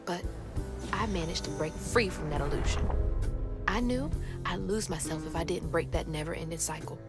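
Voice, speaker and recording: A woman's voice: lowish voice, normal speed, over loud music, close to an everyday voice. An actress playing a determined young heroine in a video game, terse and resolute, who also narrates her story reflectively.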